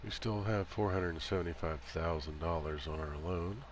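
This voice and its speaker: Deep-voiced man, stuffed up with a cold. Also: moderate pace. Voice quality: stuffy nose. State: congested from a cold. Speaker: livestream host. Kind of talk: casual gaming livestream commentary. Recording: clear background noise of falling rain. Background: game rain sound.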